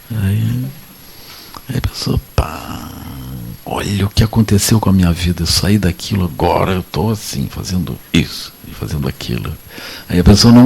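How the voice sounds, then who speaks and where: A man with a Brazilian Portuguese accent giving a relaxed, joking Buddhist talk to an audience, often repeating little tag phrases. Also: low-pitched, vocal fry, breathy edge. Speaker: Buddhist teacher. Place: lecture at a meditation center.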